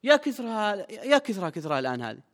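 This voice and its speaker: A man's voice: high voice, very animated, long reverb tail. A man, a sheikh explaining a religious text in a colloquial lesson, stressing points emphatically. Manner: explains quickly in colloquial speech, with emphatic rises.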